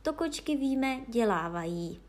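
A woman voicing a calm, humble male magician who answers quietly, in a children's story reading. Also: a little high, voice pushed up, close to an everyday voice. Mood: mírný. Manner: tichý, pokorný. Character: klidný kouzelník, muž, mírný.

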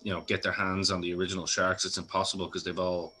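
Male podcast host, casual and sweary, low voice with a bright edge. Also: flat delivery, fast, a little hiss or hum. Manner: chatty, swearing, laughs easily. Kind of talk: casual film chat.

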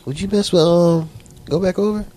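A man's voice: high-pitched, normal speed, warm tone. A young man co-hosting a podcast, telling rambling, profane stories in a casual chat. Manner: rambling, profane storytelling with laughs. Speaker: podcast co-host.

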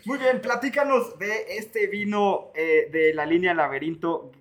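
A man's voice: high voice, steady tone, fairly bright tone. A man, hosting a casual chat in a playful, teasing way. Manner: playful, teasing, quick to laugh. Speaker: host.

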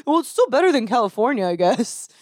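A young woman with a light Texan accent hosting a casual podcast chat, playful and quick to laugh. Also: a little high, very animated, a little mellow, dry recording. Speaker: podcast host.

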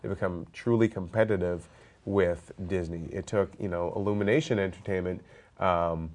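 A man with a very low voice hosts a movie news podcast. He is stuffed up, and he chats casually with plenty of fillers and the odd joke. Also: steady tone, normal speed, a little mellow. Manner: chatty, lots of fillers, jokey. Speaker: podcast host. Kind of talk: casual roundtable chat.

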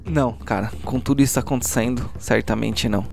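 A man's voice: mid-range voice, fairly even intonation, a little fast, vocal fry, a little mellow, slight background noise. A man with a Brazilian accent improvising narration as game master, describing action step by step and checking back with players.

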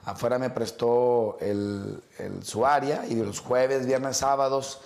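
In an echoey room, a middle-aged man from Mexico chats as an interview guest in casual conversation. His gravelly voice sits mid-range and moves slowly, and he tells relaxed, rambling stories with many fillers and restarts.

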